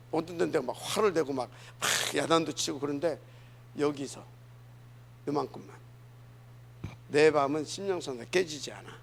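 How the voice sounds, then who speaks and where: Male pastor, middle-aged, fairly high and gravelly voice, earnest preaching style with rhetorical questions. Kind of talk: sermon. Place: church.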